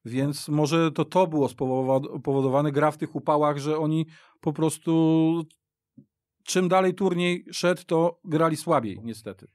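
A man's voice: a little high, fairly even intonation, unhurried, darkish tone, no room sound. A man talking football as a radio studio guest, searching for words and often restarting his sentences as he goes on at length. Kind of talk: casual sports discussion.

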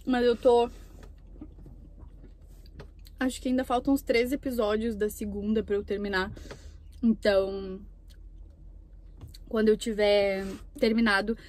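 This young woman from Brazil records a mukbang in a parked car, the camera on the dashboard, chatting casually between bites. Her mid-range voice is steady, a little mellow, and unhurried, with frequent pauses.

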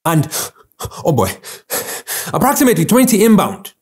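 A man's voice: high voice, wildly swooping pitch, normal speed, slightly rough, heavily acted. A man playing a young fighter with a Ghanaian accent reporting threats in a dramatic audition. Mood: urgent alarm. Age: young adult.

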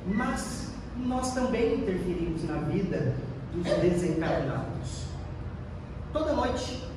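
Male speaker, 30s, lively sermon-style talk into a stand mic; distant pickup in a reverberant hall. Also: on the high side, background noise. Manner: lively, gestures broadly while speaking. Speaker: lecturer at a spiritist center. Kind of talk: spiritist lecture. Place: meeting hall, indoors. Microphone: stand mic, filmed by a far camera. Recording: echoey hall recorded from afar.

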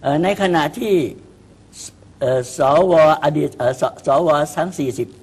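A man's voice: on the high side, unhurried, darkish tone, breathy edge. A man speaking as a political commentator on a talk show, emphatic and often repeating words as he starts a point.

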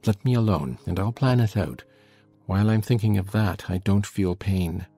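A sullen, vengeful youth acted by a man speaks gravely in a low, creaky, dark voice. It is a storybook drama, brooding and deliberate. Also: soft background music. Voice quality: gravelly, husky.

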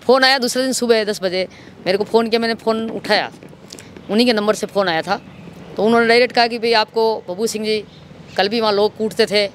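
A man's voice: high-pitched, fairly quick, a bit bright, a little hiss or hum. A man with a Rajasthani accent giving an account in a street interview, speaking into a handheld microphone outdoors. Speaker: local political party worker, interviewee. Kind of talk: street interview, recounting an incident. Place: outdoors in an office compound. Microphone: handheld reporter microphone.

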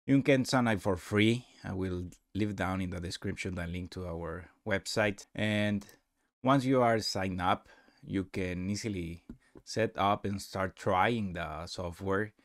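Low-voiced man explaining software. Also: dry recording, studio quality. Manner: halting, explanatory. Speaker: software demonstrator. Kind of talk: unscripted screen-recording tutorial narration.

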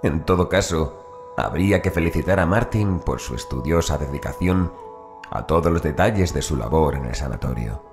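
A man narrating a horror audiobook, reading scripted prose in a measured, formal way. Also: rumbling low, expressive, over music.

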